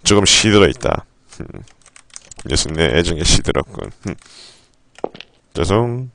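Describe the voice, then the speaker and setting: Male game streamer, live playthrough, swears a lot, reads game text in a flat low voice, very lively pitch. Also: measured pace, a little hiss or hum. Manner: profane, with sudden loud outbursts.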